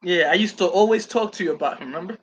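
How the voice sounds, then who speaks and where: A man's voice: high-pitched, racing, slight background noise, poor audio. A man co-hosting a live Christian stream in loose, joking casual chat, reading out viewer comments.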